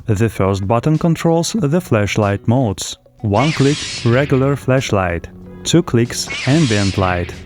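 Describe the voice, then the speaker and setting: A man's voice: fairly low pitch, darkish tone. A man reading scripted voice-over narration as a product reviewer. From lives in Spain.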